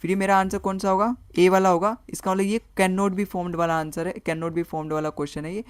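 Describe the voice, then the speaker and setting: A man's voice: sits high, steady tone, brisk, smooth, no room sound. A man teaching a reasoning lesson for exam prep. He works through each answer option aloud, repeating words and checking in with his students. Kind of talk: online exam-prep lesson, Hindi mixed with English.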